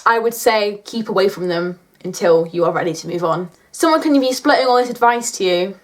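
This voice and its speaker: A woman's voice: medium pitch, expressive, fairly quick. A British woman in her late teens chatting casually in a question-and-answer vlog, with a blunt, sweary, joking manner. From United Kingdom. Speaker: YouTuber answering viewer questions.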